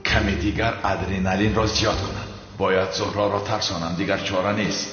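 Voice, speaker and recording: A man's voice: low-pitched, level tone, close to an everyday voice. An actor dubbing an exhausted, scheming man who coaxes his sweetheart in a TV drama. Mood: fretful. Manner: wheedling and fretful. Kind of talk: dubbed TV drama. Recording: dull roomy dub with music.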